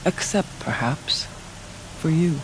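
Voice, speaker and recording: An actress playing a solemn, devout tribal shaman in a video game, speaking in a formal, measured, reverent way. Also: low-pitched, background noise. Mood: grave, wary. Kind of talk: dramatic video game dialogue.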